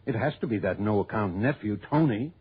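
A man's voice: on the low side, lively intonation, moderate pace, slightly rough. An actor playing an opinionated, folksy male client who insists on his suspicions, in 1960s radio drama style. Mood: insistent. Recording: tinny old radio broadcast.

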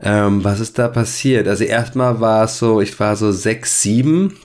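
A low-voiced man from Berlin talks as an interview guest. His delivery is reflective and unhurried, and he often pauses to search for words. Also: a little mellow. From Berlin, Germany. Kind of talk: casual conversational storytelling.

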